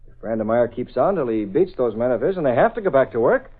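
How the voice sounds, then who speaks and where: A composed publisher-hero, lively authoritative delivery, thin scratchy 1930s radio. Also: male voice, medium pitch, breathy edge. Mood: calm. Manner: measured, authoritative. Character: composed male newspaper publisher, secret masked hero. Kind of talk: 1930s radio drama acting. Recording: tinny old radio recording.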